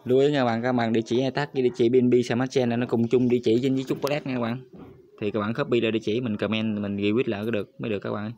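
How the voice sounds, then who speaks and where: In a screen-recorded crypto tutorial, a man walks viewers through each step, repeatedly calling them "các bạn." His mid-range voice is level and a little mellow, and he talks at a racing pace. The sound is lo-fi.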